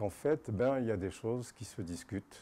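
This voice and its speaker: Against a silent background in a very clean recording, a man speaks in a dark, mellow tone at a fairly slow pace. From Algeria (Constantine). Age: 70s. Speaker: author. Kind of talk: interview. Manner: hesitant.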